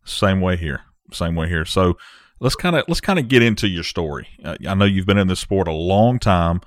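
A man's voice: low-pitched, lively intonation, moderate pace, dry recording, clean studio sound. A man hosting an interview show, asking casual questions with plenty of fillers. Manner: easygoing, filler-heavy questions. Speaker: podcast host.

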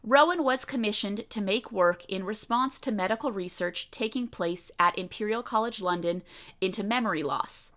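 An American woman hosts a podcast with an eager, upbeat delivery. Her voice sits in an ordinary middle pitch. She reads from a script before chatting over a video call. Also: moderate pace, fairly bright tone. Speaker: podcast host. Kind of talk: podcast interview with scripted intro.

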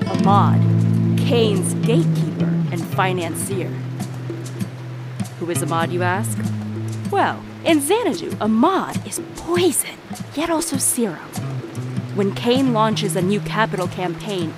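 An actress plays a sly female jewel seller in an audio drama. She confides in the listener with theatrical, teasing relish, her pitch swinging widely. Loud music plays behind her. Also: close to an everyday voice. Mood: dramatic storytelling. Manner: conspiratorial, teasing, dramatic storytelling.

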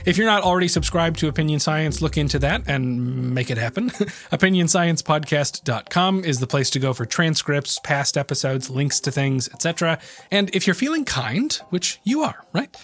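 A young man hosting a podcast, chatty and quick to laugh, his voice stuffed up from a cold. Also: a little high, expressive, fairly bright tone. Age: young adult. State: congested, stuffed-up voice. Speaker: podcast host. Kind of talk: interview and outro.

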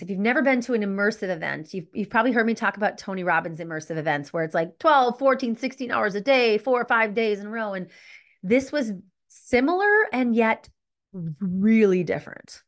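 A woman's voice: medium pitch, animated, normal speed. A middle-aged woman hosting a solo podcast, telling a personal story candidly and reflectively, often stopping to correct herself. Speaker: podcast host.

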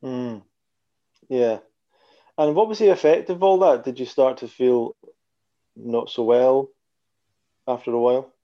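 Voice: medium pitch, unhurried, long pauses, lo-fi sound. A podcast host introducing a guest and asking questions, with frequent encouraging backchannels. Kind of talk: podcast interview.

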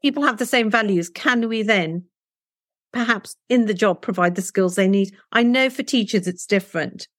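An earnest woman whose first language is Punjabi talks as an interview guest, leaning on rhetorical questions to persuade. Her voice sits at an ordinary middle pitch. The recording is close and dry, with no room sound. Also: moderate pace, no echo.

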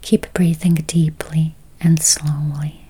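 Very slow, whispery woman guiding meditation. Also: low-pitched, level tone, mellow. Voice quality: breathy, whispery. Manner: slow, soothing, long pauses. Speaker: guided meditation host. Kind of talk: guided meditation, slow affirmations.

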